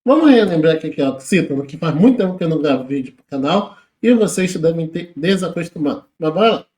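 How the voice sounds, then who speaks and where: A man's voice: high voice, a little mellow, roomy sound. A man with a Brazilian accent teaching a lesson, informally talking through exam questions step by step and asking rhetorical questions. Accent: Brazilian Portuguese. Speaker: Portuguese teacher.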